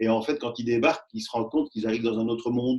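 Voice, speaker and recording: A man speaks very fast at a medium pitch. He has a slight Belgian accent. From Belgium. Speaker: speaker on workplace happiness, former teacher. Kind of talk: interview. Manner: animated.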